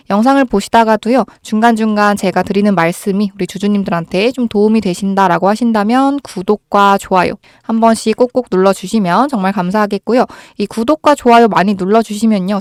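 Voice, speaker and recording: A woman speaks as the host of a market commentary, in a medium-pitched voice. She explains step by step and addresses her viewers politely and reassuringly. A cold puts a slight strain on her voice. The sound is dry and free of room echo. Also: a little mellow. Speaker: host of a stock market channel.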